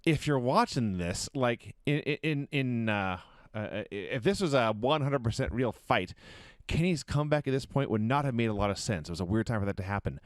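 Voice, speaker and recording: A man with a smooth, resonant voice and a middle pitch recounts a wrestling match in vivid detail. He builds the story with animated storytelling, casual swearing and little laughs. The sound is dry and close. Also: normal speed, dry recording. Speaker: podcast co-host. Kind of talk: casual wrestling recap chat.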